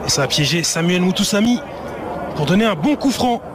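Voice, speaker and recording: A man calling a football match play by play as live commentary over loud stadium noise. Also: high-pitched, expressive, brisk, a crowd in the background.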